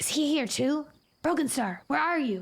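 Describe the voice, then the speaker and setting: Using a put-on character voice, a woman speaks at a high pitch with lively intonation. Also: moderate pace. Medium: virtual streamer. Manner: uneasy, deferential.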